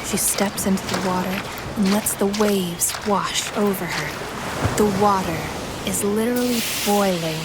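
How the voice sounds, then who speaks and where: A woman's voice: medium pitch, unhurried, very noisy. A woman delivering scripted narration of an action story in an audio fiction podcast. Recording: loud music behind the voice.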